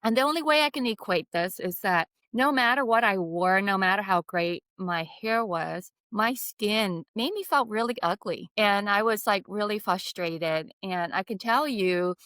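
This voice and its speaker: A woman in her fifties from Vietnam, telling her story as a podcast guest in a lively, casual way with many fillers. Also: mid-range voice, moderate pace, few pauses, no echo. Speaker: guest, skincare founder.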